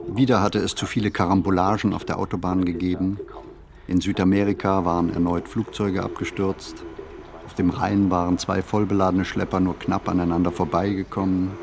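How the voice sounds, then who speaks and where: An actor playing a reflective, solitary man who narrates his mundane daily routine in a deadpan radio play monologue. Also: sits low.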